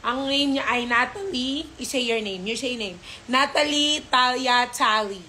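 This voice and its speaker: A woman's voice: on the high side, normal speed, pushed and bright, a little hiss or hum, low-quality recording. Playful woman chatting to her dogs. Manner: playful scolding, baby-talk to pets. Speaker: live stream host with her dogs. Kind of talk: casual live stream chat.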